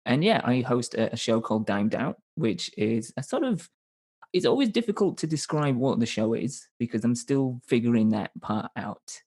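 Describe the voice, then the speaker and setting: A man's voice: mid-range voice, darkish tone. Rambling Northern English man. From Northern England. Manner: rambling, self-correcting, with frequent restarts and hedges. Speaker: podcast guest. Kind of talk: casual conversational interview.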